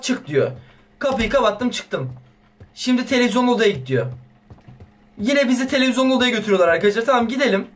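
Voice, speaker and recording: A young man commentating a horror game as a YouTuber, excitable and swearing playfully at the baby. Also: extremely high pitch. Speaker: gaming YouTuber. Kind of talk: let's play commentary.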